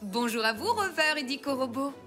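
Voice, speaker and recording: Motherboard computer, courteous, formal, high-pitched, cartoon, music underneath. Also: animated, moderate pace, pushed and bright. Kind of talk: cartoon dub acting.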